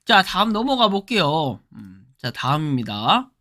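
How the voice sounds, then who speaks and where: A woman with a hoarse throat hosting her own channel, giving casual spoken commentary as she explains what is on her screen and often starts sentences with a prompting word. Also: deep voice, very animated, normal speed, fairly bright tone. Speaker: crypto channel host.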